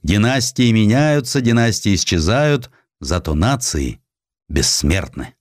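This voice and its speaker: A man's voice: fairly low pitch, very animated, measured pace, no echo, clean studio sound. A man voicing a proud, embittered army general in a historical audiobook, emphatic and declamatory. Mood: scornful. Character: defiant, embittered 19th-century Russian general, proud and brooding.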